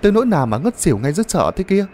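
A man's voice: high voice, sing-song, a little mellow, voice pushed up. A man voicing a neighbor woman who chides and fusses over her friend. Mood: chiding. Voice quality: brisk, chiding. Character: fussing neighbor woman, caring and practical.

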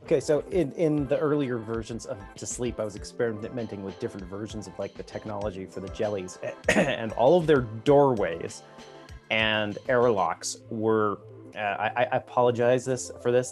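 A man's voice: lowish voice, moderate pace, faint music behind. A man in his thirties, an author chatting casually and with amusement about his book, on an earbud mic in a small room. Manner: amused, chuckling, apologetic asides. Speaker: author reacting to clips. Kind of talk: casual reaction commentary. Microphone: earbud headset mic.

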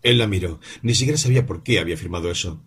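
A man narrating a literary story as an audiobook, reading slowly and expressively. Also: low voice, expressive, a bit bright, husky.

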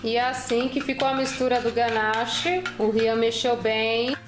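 A woman's voice: on the high side, measured pace. A woman explaining a recipe off camera. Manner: prompting, explanatory. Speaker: off-camera helper and co-host. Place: home kitchen. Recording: echoey kitchen with background music.

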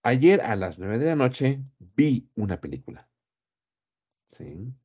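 A man's voice: medium pitch, very animated, slow pace, a little mellow, husky, lo-fi sound. A man teaching English grammar in Spanish, who explains patiently and drills pronunciation by repeating each word several times.

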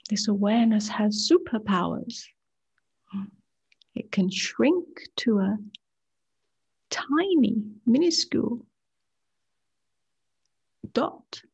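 A woman meditation teacher guiding a practice in a soft, hushed voice that often nears a whisper, with short unhurried phrases. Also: fairly high pitch, slightly rough, muffled recording. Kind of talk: guided meditation, slow and gentle with long pauses.

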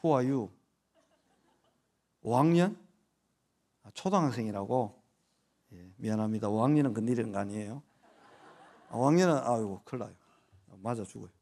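Preaching during worship in a church sanctuary, this man in his forties has a Gyeongsang Korean accent and trades jokes with the children seated in the pews. He speaks at a medium pitch and a moderate pace, expressive and mellow, with long pauses.

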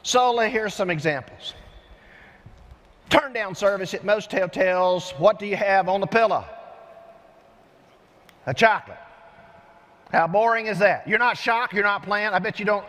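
Older man, animated keynote in a big hall. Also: sits high, normal speed, long pauses. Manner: animated storyteller with lively gestures. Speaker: keynote speaker. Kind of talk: energetic keynote speech. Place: large conference arena stage. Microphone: headset mic. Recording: long hall reverb from arena.

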